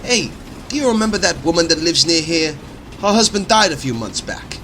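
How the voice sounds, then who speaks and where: A man playing a chatty, excitable small-town fellow in an audio drama, talking in a folksy, eager way. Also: a little high, brisk, slight background noise. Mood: gossipy, curious. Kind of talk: amateur audio drama dialogue.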